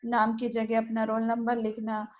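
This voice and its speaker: An Indian woman teaching English at a university, explaining in Hindi and mixing in English terms, and reading example sentences out slowly. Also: on the high side, monotone, darkish tone. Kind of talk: recorded classroom lecture.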